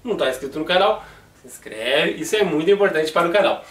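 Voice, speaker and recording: A man's voice: on the high side, expressive, fast, a bit bright. Brazilian man teaching, echoey far mic. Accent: Brazilian Portuguese. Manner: chatty, explains step by step with frequent "ó" and "tá?". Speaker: grammar teacher. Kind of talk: video grammar lesson.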